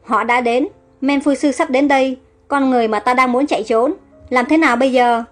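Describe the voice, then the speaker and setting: Fretful young queen, high and soft-spoken, read by a woman storyteller. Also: steady tone, a little fast, soft background music, lightly acted. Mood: anguished. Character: young queen, anxious and heartbroken.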